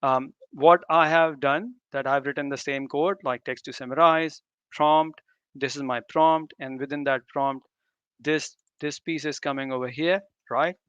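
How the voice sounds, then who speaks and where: A tech presenter whose first language is Urdu gives an informal live demo to developers, frequently repeating and rephrasing himself. His slightly high voice is steady, unhurried, smooth and fairly bright, recorded with no echo but dull audio.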